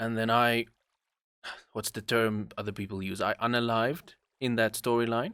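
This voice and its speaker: This man speaks at a moderate pace in a non-native accent, with a medium pitch, a bright, sharp tone, and fairly even intonation. Long, frequent pauses break up his speech on a very clean recording with a silent background. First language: not English. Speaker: Minecraft content creator. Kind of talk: casual gameplay chat. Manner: halting.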